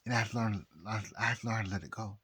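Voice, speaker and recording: A very drunk man rambling casually to viewers, halting and repeating himself as he loses his thread. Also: on the low side, fairly even intonation, a bit bright, husky. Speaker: amateur astrologer vlogger.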